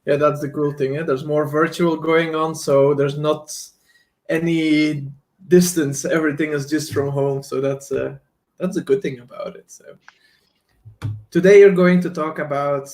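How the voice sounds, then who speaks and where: A man's voice: on the high side, steady tone, measured pace, a little mellow. A man hosting a live online talk show, introducing a guest in a loose, friendly, rambling way over a video call. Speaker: host. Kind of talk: casual interview chat.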